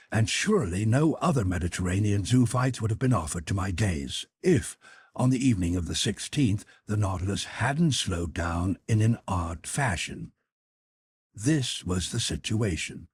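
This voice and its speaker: A man narrating a classic novel in a formal, measured, expressive storytelling manner. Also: lowish voice, breathy edge, no echo, studio quality. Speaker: audiobook narrator. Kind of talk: scripted literary narration.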